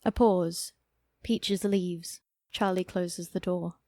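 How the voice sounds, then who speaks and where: A woman's voice: lowish voice, steady tone, slow pace, mellow, dry recording. A woman acting as the narrator of an audio drama, reading stage directions in a plain, matter-of-fact way. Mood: neutral. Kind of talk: scripted narration.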